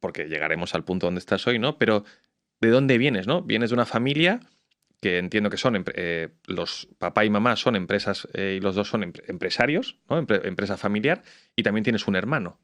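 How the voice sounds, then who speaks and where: Podcast host dude, lowish voice, rambles his questions, lots of restarts. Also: expressive, a little fast, a bit bright. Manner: chatty, asks long rambling questions with restarts. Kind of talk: conversational interview.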